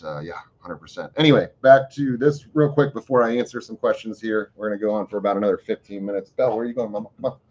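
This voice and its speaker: Laid-back swearing man, lo-fi sound. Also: deep voice. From Florida. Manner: casual, profane, rambling with fillers. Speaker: host. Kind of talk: casual livestream chat answering viewer questions.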